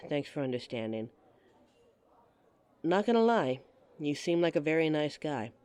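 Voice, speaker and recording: Playful woman with a lively, teasing voice. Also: low-pitched, a little slow, smooth. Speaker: audio roleplay performer. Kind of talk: scripted roleplay monologue to a listener.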